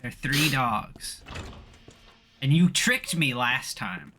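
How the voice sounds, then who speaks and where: A man's voice: mid-range voice, sing-song, slow, noisy background. A man co-hosting and playing a video game, giving casual, sweary commentary. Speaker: gaming co-host playing the game.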